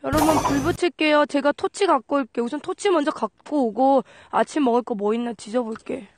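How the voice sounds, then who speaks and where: A woman in her thirties talks straight to her viewers, bursting into squeals and playful teasing. Her voice sits very high. The handheld outdoor recording carries a noticeable hiss of wind and noise. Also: fairly quick. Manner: excitable, squealing exclamations, playful. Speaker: camping vlogger. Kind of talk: casual vlog chat to viewers. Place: frozen river outdoors in snow. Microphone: handheld camera.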